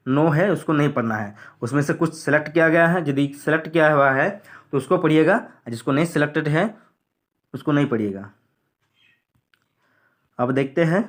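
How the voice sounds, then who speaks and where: A man going through a school syllabus on screen, repeating what to study and what to skip in a plain explanatory way. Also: on the high side. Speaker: teacher.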